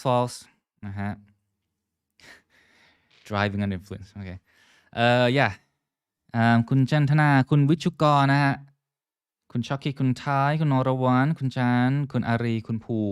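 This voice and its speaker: Guy running a live english class, slow careful talk, crisp clear voice, greets viewers, mixes in thai. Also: mid-range voice, no room sound, clean studio sound. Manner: switches between English and Thai, drills pronunciation, greets viewers by name. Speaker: English teacher. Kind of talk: live online English lesson, mixing Thai and English.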